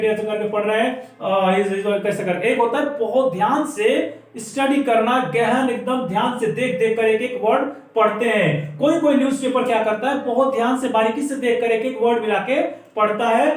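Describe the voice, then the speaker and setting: A man teaching an English lesson, explaining patiently and slowing down to repeat example words for dictation. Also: extremely high pitch, far from the mic. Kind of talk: classroom-style language lesson. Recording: very echoey room, voice off-mic.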